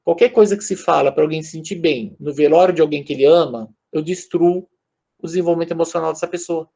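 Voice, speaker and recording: A man's voice: on the high side, fast, gravelly, dark tone. A man with a Brazilian accent giving an informal lecture over a video call, speaking conversationally and addressing his audience directly.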